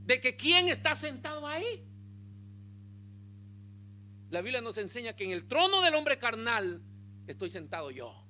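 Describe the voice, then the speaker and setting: A man preaching a sermon as pastor, telling a story in an animated way and calling his listeners brother. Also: very high-pitched, unhurried, pauses often, a little hiss or hum.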